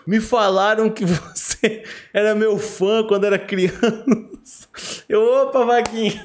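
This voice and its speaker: A man, doing slangy, joking reaction commentary from a home streaming room on a boom mic. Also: fairly bright tone. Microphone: studio mic on a boom arm.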